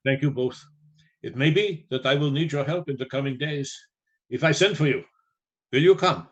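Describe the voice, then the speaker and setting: An actor playing a grave, learned vampire hunter, an elderly professor who speaks in measured, formal, theatrical phrases for a radio play. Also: male voice, on the high side, dull audio, lightly acted. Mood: earnest, formal. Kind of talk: theatrical radio drama acting.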